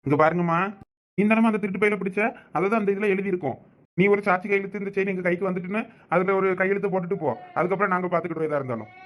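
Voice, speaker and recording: A voice actor playing a brisk male police officer in a cartoon, reassuring and businesslike, with a Thoothukudi accent. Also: mid-range voice, muffled recording, close to an everyday voice. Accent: Thoothukudi Tamil. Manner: reassuring, rapid-fire.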